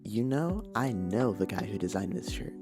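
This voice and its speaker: A man's voice: on the low side, sing-song, moderate pace. A man voicing a confident, sardonic young trans woman in a visual novel, with playful, breezy teasing. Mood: breezy, chatty. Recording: clear guitar music behind. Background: guitar music.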